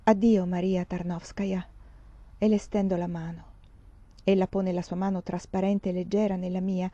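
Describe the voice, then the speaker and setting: A woman reading a novel aloud in a theatrical way, rising to loud outbursts and sinking to hushed tones. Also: fairly low pitch, flat delivery, moderate pace, no room sound, muffled recording. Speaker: audiobook reader. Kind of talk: dramatic audiobook narration.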